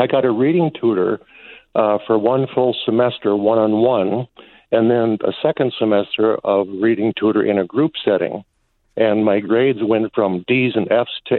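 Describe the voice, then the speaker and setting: A man with a normal speaking voice at a medium pitch, very even loudness, ordinary pitch variation and a moderate pace. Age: 60s. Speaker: caller. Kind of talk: personal story on call-in. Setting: phone call.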